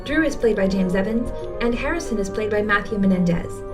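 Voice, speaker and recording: A woman's voice: medium pitch, animated, brisk, distant mic. A woman reading scripted podcast credits as an announcer. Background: clear music.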